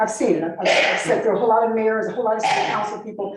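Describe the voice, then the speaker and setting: A woman's fairly high voice with an American accent, with audible room echo. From US Midwest, Michigan. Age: 60s. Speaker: resident speaking at public comment. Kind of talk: public comment at city council meeting. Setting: council meeting chamber. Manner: animated.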